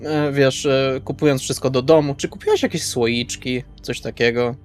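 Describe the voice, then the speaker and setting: A man's voice: medium pitch, fairly even intonation, moderate pace. A man chatting casually and a little hesitantly in character as a player in a tabletop roleplaying session. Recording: music bed under the voice. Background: background music.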